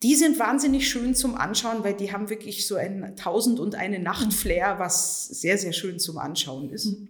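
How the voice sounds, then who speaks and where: A woman with a slight Bavarian accent, medium-pitched and moderately paced, with lively intonation over noticeable background noise. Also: hardly any pauses. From Bavaria, Uffing am Staffelsee. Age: 30s. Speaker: castle tour guide. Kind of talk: interview.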